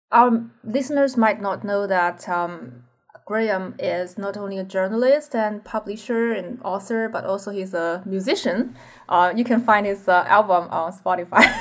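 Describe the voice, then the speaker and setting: A woman with a Chinese accent, at medium pitch and a moderate pace, with ordinary pitch variation. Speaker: podcast co-host. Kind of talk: interview.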